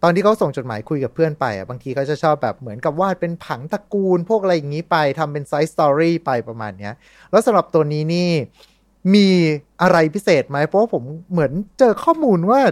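A man's voice: a little high, very animated, a little fast, dry recording, studio quality. A man hosting a casual podcast, asking questions and teasing his co-host.

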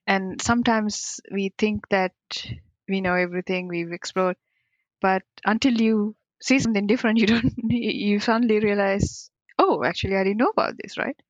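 A woman in her forties with a medium-pitched voice, heard in a dry, muffled recording. She works in cybersecurity and appears as a podcast guest, giving candid, reflective interview answers in non-native phrasing and laughing often.

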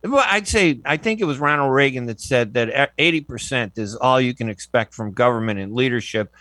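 Older male radio host, rambling and conversational, mid-pitched, dry close sound. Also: expressive, a little fast, sharp tone, dry recording. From United States. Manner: chatty, digressive, many restarts. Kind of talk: radio interview.

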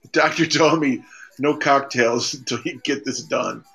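A man's voice: medium pitch, normal speed, a bit bright, slightly rough. Casual male podcast co-host over music. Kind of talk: casual comedy chat.

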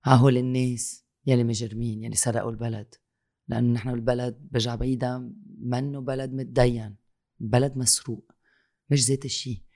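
A man's voice: medium pitch, little pitch movement, brisk, darkish tone. A man with a Lebanese Arabic accent in a conversational political discussion, speaking emphatically with repeated phrases, rhetorical questions and some French and English words mixed in.

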